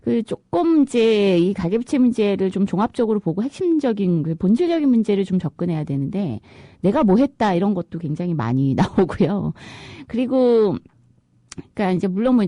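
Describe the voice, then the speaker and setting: A woman's voice: mid-range voice, big pitch swings, brisk, warm tone, no room sound, studio quality. A woman guest in an interview, answering candidly with small laughs. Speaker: guest, civic activist.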